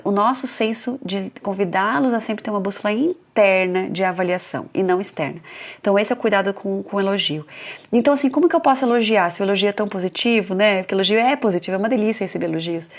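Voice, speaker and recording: Fast-talking woman telling family stories. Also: medium pitch. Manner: storytelling, acting out family dialogue. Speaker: parenting educator. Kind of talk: live talk on parenting.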